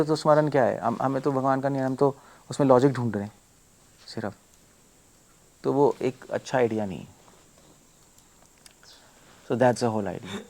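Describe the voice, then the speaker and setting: A man's voice: mid-range voice, darkish tone. A man speaking as a monk, giving a devotional lecture to followers; emphatic, full of rhetorical questions, often mixing English words into his talk.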